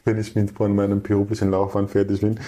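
A man's voice: lowish voice, monotone, quick pace, warm tone. A young man from Syria, chatting as an interview guest in fluent but German, with many restarts. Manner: fluent but non-native, restarts, acts out quoted people. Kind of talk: casual interview chat.

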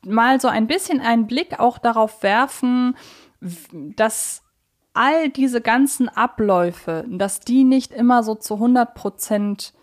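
A woman's voice: fairly high pitch, takes it slowly. Woman chatting emphatically on a podcast. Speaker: podcast co-host. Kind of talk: casual conversational discussion of audio dramas.

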